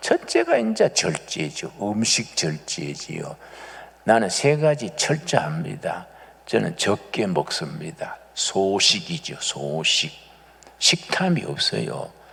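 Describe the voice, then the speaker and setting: A medium-pitched man talks very slowly with very wide pitch swings over noticeable background noise. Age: 80s+. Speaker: pastor. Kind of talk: sermon. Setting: church. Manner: conversational, folksy.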